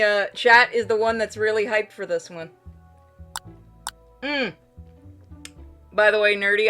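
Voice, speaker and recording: A woman hosts a casual game stream with a bright, crisp-edged voice at a middling pitch. She is playful and informal as she chats and reads aloud. Game music plays faintly behind her. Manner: playful, informal, swears freely. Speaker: game streamer reading a visual novel aloud for chat. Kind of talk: casual livestream chat and read-aloud game narration.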